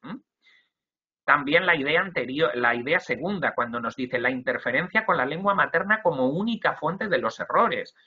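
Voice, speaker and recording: A man's voice: fairly high pitch, lively intonation, normal speed, breathy edge. A young man teaching other teachers in a webinar, explaining slide by slide and dotting his talk with "ujú" and "eh". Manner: explanatory, with frequent "ujú" and "eh" fillers. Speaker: Spanish language teacher trainer. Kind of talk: webinar lecture. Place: indoor room. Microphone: video call webcam. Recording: dull lo-fi video call audio.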